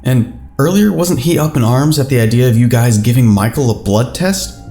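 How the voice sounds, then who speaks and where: A woman's voice: a bass voice, moderate pace, mellow, faint music behind. An actress playing a wry, skeptical woman confidante in a naturalistic audio drama, probing yet supportive.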